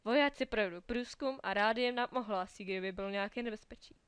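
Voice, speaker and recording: A woman's voice: medium pitch, clean tone, no echo, close to an everyday voice. A woman reading a storybook, voicing a brave male toy space ranger who rallies his friends with rousing commands. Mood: commanding. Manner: rousing, commanding calls to the other toys. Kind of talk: storybook character voice.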